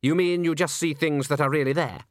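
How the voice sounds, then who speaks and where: A man voicing a dry, sardonic music director in a story, brisk and authoritative with a sarcastic edge. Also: on the high side, fairly even intonation, no echo, pitched above the performer's own voice, natural voice.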